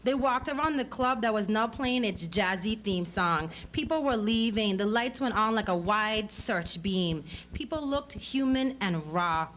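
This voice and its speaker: A woman's voice: mid-range voice, lively intonation, a little slow, hardly any pauses, fairly bright tone. A woman reading literary fiction aloud dramatically at a live event. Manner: acts out dialogue in character voices. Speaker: author reading a story. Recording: clearly noisy live event recording.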